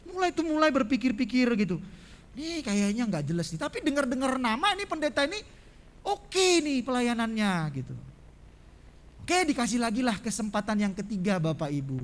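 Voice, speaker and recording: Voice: medium pitch, animated, fairly quick. A pastor preaching a sermon in a casual, conversational way, telling a story and asking the congregation rhetorical questions. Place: church service streamed online.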